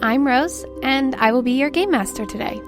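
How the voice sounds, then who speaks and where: A woman's voice: high voice, normal speed. A woman acting as game master, narrating a tabletop roleplaying story in a casual, descriptive way. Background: background music.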